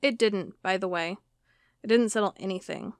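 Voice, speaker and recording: An actress playing an uneasy, dogged FBI agent dictating case notes in an audio drama, halting and conversational. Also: female voice, medium pitch, clear, resonant tone, dry recording, studio quality, natural voice. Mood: troubled, searching. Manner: halting, conversational, self-correcting. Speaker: FBI records agent character. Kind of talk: audio drama monologue, spoken like a recorded log.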